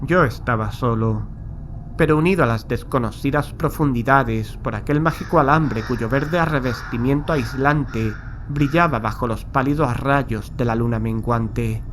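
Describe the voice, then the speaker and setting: A man's voice: medium pitch, unhurried, close to an everyday voice. A haunted man from played by an actor tells his horror tale in a mid-range voice. His delivery is grave, literary and anxious, over a faintly noisy night backdrop. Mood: tense, foreboding. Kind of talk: first-person horror audiobook narration. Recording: faint night ambience behind the voice.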